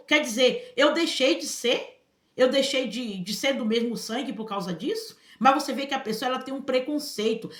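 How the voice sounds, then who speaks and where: A woman's voice: a little high, a bit bright, reverberant. A Brazilian woman giving emphatic personal commentary, often turning to her listeners with "gente" and "entendeu?". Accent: Brazilian Portuguese. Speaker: vlogger.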